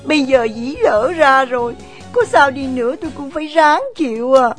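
A sulky young countryside woman, played by a woman actor who scolds and pouts. Her voice sits high and bright-pitched. Quiet music runs beneath her in the audio story. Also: normal speed, close to an everyday voice. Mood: tearful. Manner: pouting, scolding.

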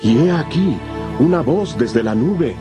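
A man narrating scripture from a script in a solemn, measured manner. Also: fairly high pitch, expressive, music in the background.

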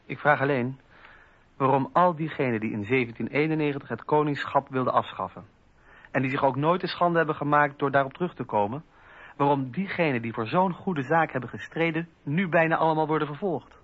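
An actor playing a dignified, formal French revolutionary philosopher who is persecuted, in a radio play. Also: male voice, fairly high pitch, brisk, lightly acted. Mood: proud, indignant. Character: dignified persecuted male French philosopher-politician defending his principles. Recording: slightly dull radio recording.

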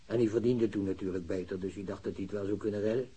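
A man's voice: on the low side, steady tone, fast, warm tone, slightly rough. A man acting a worried, aggrieved working-class grandfather in a radio drama, plain-spoken and grumbling. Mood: resigned, plaintive. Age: older.

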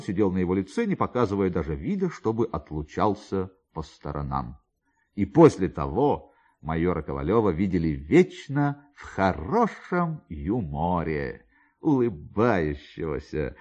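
A man narrating literary prose for radio in a theatrical manner, with emphatic pauses and drawn-out words. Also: fairly low pitch, darkish tone, dull audio.

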